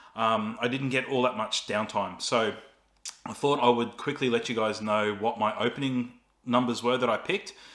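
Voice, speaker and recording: A man at a moderate pace with fairly even intonation, audible room echo and a quiet background. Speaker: vlogger. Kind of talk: casual vlog chat. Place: home room. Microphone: phone near.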